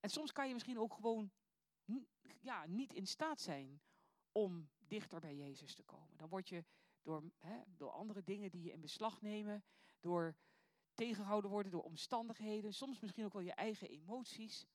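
A woman's voice: mid-range voice, lively intonation, moderate pace, dry recording. A woman reading scripture aloud and then giving an earnest, reflective sermon that poses searching questions to her listeners. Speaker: preacher.

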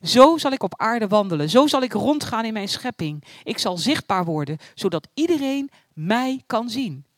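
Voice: mid-range voice, big pitch swings, moderate pace, no echo, lightly acted. The almighty Lord, a male God, speaks in a solemn, proclaiming voice, as the narrator puts him on. This is a storybook reading with a dry, close sound.

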